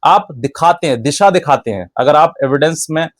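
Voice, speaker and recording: Male legal explainer, fairly high voice, dry close sound, emphatic teaching delivery with repeated points. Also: expressive, normal speed, dry recording. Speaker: legal advice presenter. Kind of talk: explanatory legal talk addressed to viewers.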